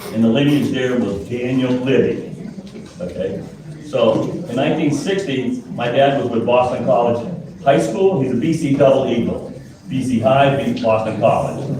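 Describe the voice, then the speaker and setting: With an American accent, a man speaks at a medium pitch amid noticeable background noise and audible room echo. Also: ordinary pitch variation, moderate pace. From Massachusetts. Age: 60s. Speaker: political candidate. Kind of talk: campaign speech. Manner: loud.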